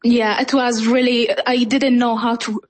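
An eighteen-year-old woman from Syria speaking earnestly over a phone line in a radio interview, sometimes halting and repeating words. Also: fairly high pitch, level tone. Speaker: interview guest.

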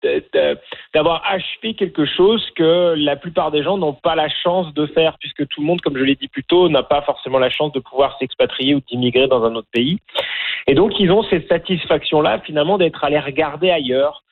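A man's voice: fairly high pitch, normal speed. A middle-aged man from France with a French accent, a documentary filmmaker talking in a radio interview, hesitant with many fillers and restarts. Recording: tinny phone line.

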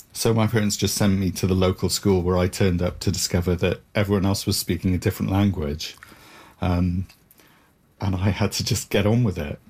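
Welsh guy in his 50s, low husky voice, stops and restarts a lot while thinking. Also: darkish tone. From Wales. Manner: thoughtful, hesitant, self-correcting. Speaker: playwright, interview guest. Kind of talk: reflective interview answers.

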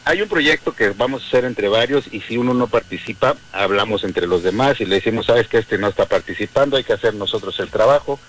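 A man's voice: lowish voice, quick pace, few pauses, fairly bright tone, slight background noise, rough recording. A man from Guadalajara with a Mexican accent, calling in to a radio show and explaining his view in a friendly way. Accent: Mexican Spanish. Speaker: radio caller. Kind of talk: phone-in chat.

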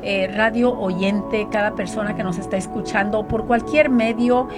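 Mujer fervorosa rezando por la radio. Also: female voice, mid-range voice, fairly even intonation, moderate pace, over music. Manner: fervent praying, many fillers. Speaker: radio show host. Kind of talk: Christian radio talk and prayer.

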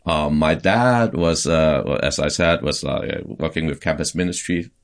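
Super deep-voiced pastor guy from hong kong, lots of uhs and restarts, chatting on a podcast. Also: measured pace. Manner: hesitant, many fillers and restarts. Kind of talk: casual conversational interview.

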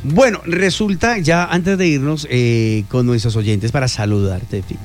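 A man's voice: medium pitch, unhurried, darkish tone, faint music behind. A man hosting a casual morning radio show, reading out listener messages in an upbeat way. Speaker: radio host.

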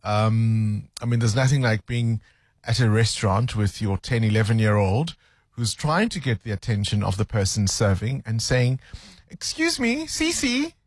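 A man's voice: fairly low pitch, big pitch swings, unhurried, dry recording, clean studio sound. A man hosting a breakfast radio show, chatting playfully and teasing his co-hosts. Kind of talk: lively breakfast radio chat. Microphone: studio microphone.

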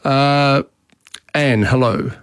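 A middle-aged Australian man hosting a radio talkback show in a relaxed, chatty way, often repeating words as he restarts. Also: medium pitch, very slow, smooth. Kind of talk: casual talkback chat.

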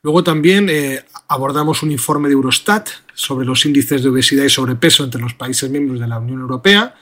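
Guy listing off what's in the program, steady, a few ehs. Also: mid-range voice, a little fast. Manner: steady rundown with some fillers. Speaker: guest from a sports organization. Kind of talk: summarizing program contents.

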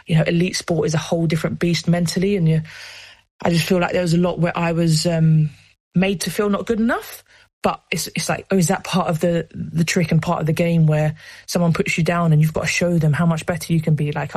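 A woman's voice: sits low, a little mellow, no echo. A woman with a South London accent, a former rugby player answering interview questions in a candid, reflective way, often saying "like". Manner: reflective, heartfelt, peppered with "like".

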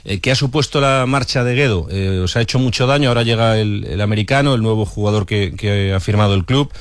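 A man's voice: fairly low pitch, quick pace, dry recording. A male sports radio interviewer asking questions in a conversational way, often ending with tag questions.

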